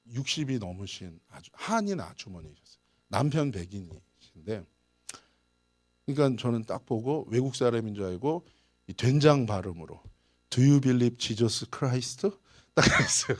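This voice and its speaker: At a church service, a male pastor with a medium-pitched voice preaches in a storytelling style, telling lively anecdotes, chuckling often and acting out the people and their quoted lines. The recording has clean studio sound with no room sound.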